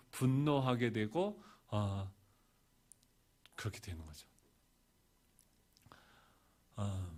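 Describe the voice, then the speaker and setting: A middle-aged male pastor preaching a storytelling sermon, swinging from hushed asides to loud, animated bursts. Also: mid-range voice.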